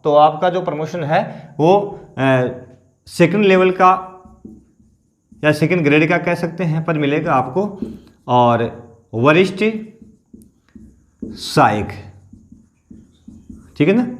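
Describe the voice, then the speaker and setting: A male coaching teacher with a sore throat, clearing his throat as he explains a lesson slowly and repeats the figures. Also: fairly high pitch. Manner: explains slowly, repeats figures, keeps asking "theek hai na".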